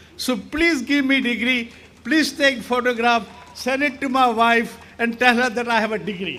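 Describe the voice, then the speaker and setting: A raised, projected voice with a bright, sharp tone speaks at a moderate pace. Its intonation is fairly even, and audible room echo surrounds it. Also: man, extremely high pitch for a man. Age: 80s+. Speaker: architect and guest speaker. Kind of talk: commencement speech. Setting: graduation ceremony in an arena.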